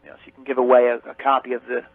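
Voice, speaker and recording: A man's voice: medium pitch, monotone, very fast, slightly rough, dry recording. A man calling in to a radio show and teasing the host in a needling, mock-bossy way, his voice coming over a thin phone line. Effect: voice heard over a phone line on a radio broadcast. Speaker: caller. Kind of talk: call-in radio banter.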